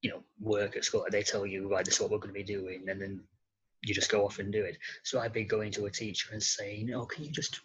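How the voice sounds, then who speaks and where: A young British man answering interview questions casually, in a hesitant, halting way with repeated starts. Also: fairly low pitch, level tone, fairly bright tone, a little hiss or hum, rough recording. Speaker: interview guest.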